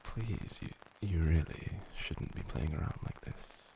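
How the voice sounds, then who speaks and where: A man acting as a young tutor boyfriend in a whispered role-play, nerdy and awkward. His voice is very deep and gravelly, and he speaks slowly, stammering as he struggles to keep his composure around someone he is smitten with. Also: animated, background noise, heavily acted. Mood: flustered, bashful.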